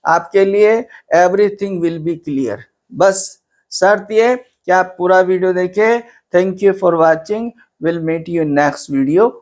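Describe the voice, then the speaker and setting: A man teaching an exam-prep lecture, who asks the class questions and answers them himself, mixing Hindi with English terms and drawing out key words slowly. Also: sits high, darkish tone.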